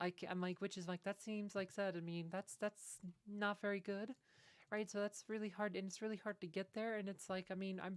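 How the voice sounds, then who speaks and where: A soft-spoken woman mumbles at a fairly quick pace in a medium-pitched, monotone, flat voice, with a dry, close sound and no echo. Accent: American. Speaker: gaming streamer. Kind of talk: live gameplay stream. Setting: live stream. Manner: mumbling.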